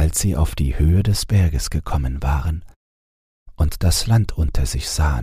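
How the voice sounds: A man's extremely low, husky voice with a rough edge, dark and mellow in tone, at a fairly slow pace with ordinary pitch variation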